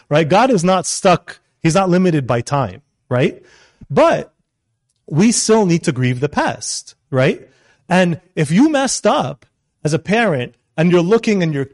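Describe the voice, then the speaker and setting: A man's voice: on the high side, darkish tone, dry recording, studio quality. A man, a Christian counselor, giving an informal teaching talk to a live group, often restarting sentences and checking in with the room. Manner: halting, with many restarts and "right?" check-ins.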